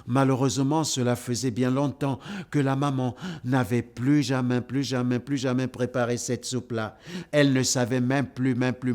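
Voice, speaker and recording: A man telling folktales aloud in a playful, lively way, repeating words for effect. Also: medium pitch. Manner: playful, lively, repetitive storyteller's delivery. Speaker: storyteller. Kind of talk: animated oral storytelling.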